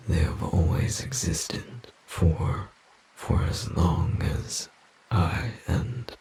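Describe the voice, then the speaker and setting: A man playing an ancient, solemn forest demon guardian in an audio roleplay, speaking formally and gravely in a gravelly, breathy, husky whisper. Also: deep voice, a little mellow, full character voice, low-quality recording. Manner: slow, formal, grave, measured.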